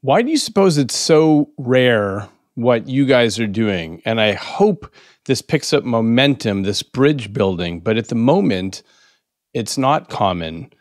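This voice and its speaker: A man's voice: mid-range voice, animated, measured pace, no room sound, studio quality. A man hosting a podcast interview and putting questions to his guests. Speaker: podcast host.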